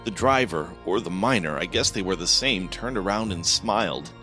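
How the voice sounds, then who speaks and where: A man's voice: deep voice, lively intonation, moderate pace, pushed and bright. A man narrating a first-person horror story in a tense, dramatic manner over background music. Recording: music playing behind.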